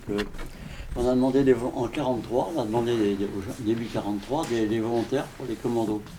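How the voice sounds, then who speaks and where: Noticeable background noise under a man's voice, medium in pitch. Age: 90s. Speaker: war veteran. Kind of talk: testimony.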